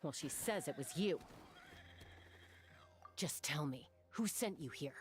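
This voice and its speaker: A woman's voice: low voice, expressive, slow, faint music behind. An actress playing a tough, protective gunslinger woman in a video game, firm, wry and intimidating. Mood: stern, threatening. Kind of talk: video game character acting.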